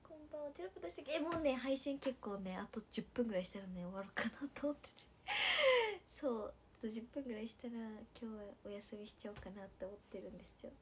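A young woman with a Nagasaki accent, chatting on a sleepy late-night livestream and reading viewer comments, slipping into soft whispers. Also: a little high, quick pace, hardly any pauses, slightly rough. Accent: Nagasaki dialect. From Nagasaki, Japan. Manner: drowsy, drifting into soft whispers, then bright squeals for viewers. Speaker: idol livestreamer.

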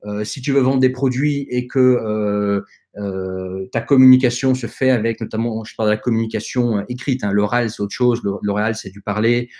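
A man's voice: on the low side, fairly even intonation, moderate pace, darkish tone. A man whose first language is not French, speaking as a podcast guest and giving direct advice to young listeners in a hesitant way, with many fillers and restarts. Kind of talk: conversational advice in an interview.

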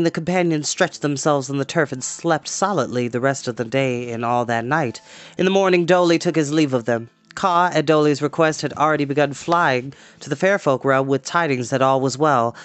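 A man's voice: fairly high pitch, moderate pace, no echo, faint music behind. A man in his twenties hosting a storytime, reading a storybook expressively with casual asides. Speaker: storytime host and reader. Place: small home room, indoors.

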